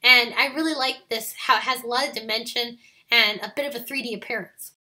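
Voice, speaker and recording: A woman with a raspy, scratchy voice after being sick, recording a friendly step-by-step voiceover for a card-making tutorial. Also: on the high side, steady tone, a little fast, pushed and bright. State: raspy voice from recent illness. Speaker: card-making video host.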